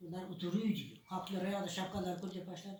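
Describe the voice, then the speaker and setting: A woman's raised, projected voice. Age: 80s+. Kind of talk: oral history interview answer.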